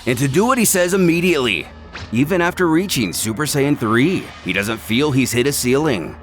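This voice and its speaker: Man narrating dramatically, widely swinging pitch. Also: a bit bright. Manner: theatrical, emphatic storytelling delivery. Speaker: narrator and video host. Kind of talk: dramatic scripted story narration. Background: background music.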